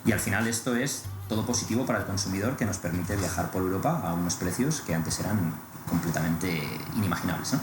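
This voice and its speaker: Man, rapid explanatory chat, roomy sound, noisy background. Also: deep voice, expressive. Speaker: podcast co-host. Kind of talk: casual explanatory conversation. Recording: roomy echo, clearly audible background noise.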